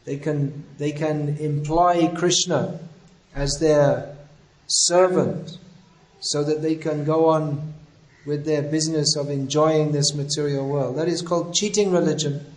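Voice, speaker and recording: A man teaches in a religious lecture with a somewhat high voice. He scolds and acts out the people in his stories. The sound carries the echo of a roomy hall. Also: darkish tone. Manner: storytelling with quoted dialogue, scolding. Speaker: spiritual teacher.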